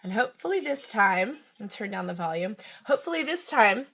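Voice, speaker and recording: Middle-aged woman, home livestream craft host, slightly raspy, chatty, medium pitch. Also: very animated, brisk, fairly bright tone. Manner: chatty and enthusiastic, with frequent fillers. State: raspy from recent illness. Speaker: independent craft demonstrator hosting a live stream. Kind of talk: casual live craft demonstration. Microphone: phone or tablet livestream.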